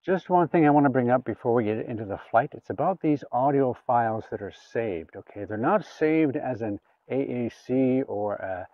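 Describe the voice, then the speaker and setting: A man's voice: medium pitch, expressive, moderate pace, hardly any pauses, no echo. Man on thin, distant-sounding audio. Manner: informal, talking through each step aloud. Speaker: gadget reviewer. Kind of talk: casual hands-on product demonstration. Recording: phone-like, thin sound, off the mic.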